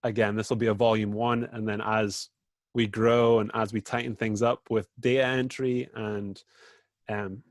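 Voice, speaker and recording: A man's voice: lowish voice, level tone, moderate pace, dry recording. A man with a British accent walks through a data dashboard while sharing his screen on a video call, informal and full of fillers. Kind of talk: screen-share presentation in a video meeting.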